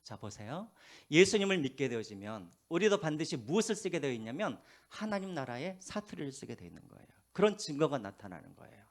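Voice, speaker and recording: A pastor preaching a sermon, telling stories with a lively voice and dropping to quiet asides, with a faint Jeolla accent. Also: male voice, fairly high pitch, fairly quick, few pauses. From Korea, Gwangju. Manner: animated storytelling, drops to hushed asides. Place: church.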